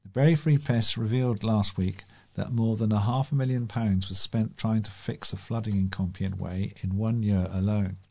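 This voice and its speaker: British man reading news, gravelly, mellow voice. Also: on the low side, steady tone, moderate pace, hardly any pauses. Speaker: volunteer newsreader. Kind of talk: reading local news aloud.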